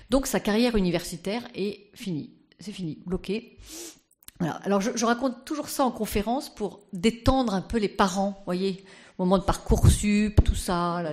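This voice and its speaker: A woman's voice: medium pitch, moderate pace, a little mellow. A woman giving an anecdotal conference talk as postulator of a sainthood cause, chatty and full of fillers.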